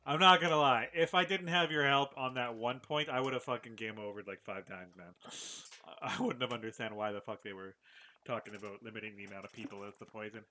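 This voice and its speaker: A young man talks through a game he is playing, loose and profane in his chat. His voice is bright and clear, and he speaks casually. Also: mid-range voice, brisk. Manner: loose and profane, laughing along. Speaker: let's-play gamer.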